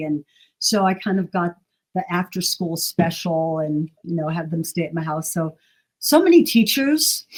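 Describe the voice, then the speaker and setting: A somewhat breathy woman speaks at a moderate pace with lively intonation. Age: 70s. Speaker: herbalist. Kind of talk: casual chat. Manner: animated.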